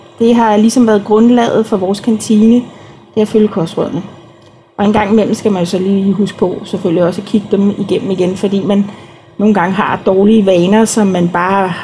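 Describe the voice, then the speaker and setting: Over noticeable background noise, a woman speaks fairly quickly at a medium pitch, her loudness very even and her intonation monotone and flat. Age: 40s. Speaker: canteen manager. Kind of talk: interview. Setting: video call.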